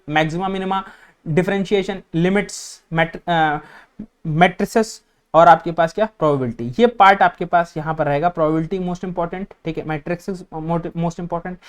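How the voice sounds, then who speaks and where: Indian man coaching exam students. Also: high-pitched. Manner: lists topics, repeats "theek hai" constantly, mixes English terms; explains directly to students, conversational coaching tone. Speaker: exam-prep teacher. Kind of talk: online exam-prep lecture.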